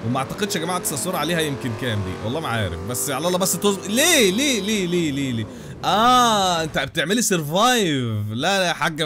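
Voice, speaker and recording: A young man with an Egyptian Arabic accent and a cold, commenting on a car crash game with loud exclamations. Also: a little high. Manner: animated, loud exclamations and religious interjections. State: has a cold. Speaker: gaming channel host. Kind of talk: excited let's-play commentary.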